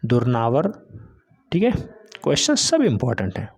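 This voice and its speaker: A man's voice: medium pitch, wildly swooping pitch, moderate pace, creaky, husky. Guy teaching spelling for an exam, says each word over and over, keeps calling students beta, ordinary mid voice. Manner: repeats each word several times, calls students "beta"; drill-like, emphatic correction. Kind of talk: exam-prep spelling lesson.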